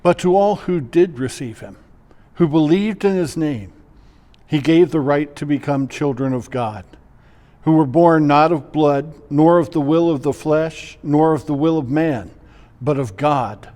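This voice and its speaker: A man, a pastor, formally reading scripture aloud in a solemn, measured manner. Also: fairly high pitch, darkish tone. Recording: long church-like reverb.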